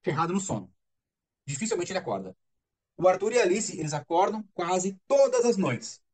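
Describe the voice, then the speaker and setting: A man from Brazil speaks to an online audience in a high-pitched voice. His delivery is earnest and emphatic, and he circles back to repeat key words. It sounds like a live stream picked up on a webcam or phone mic. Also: big pitch swings, brisk, darkish tone. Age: adult father. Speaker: speaker on autism parenting.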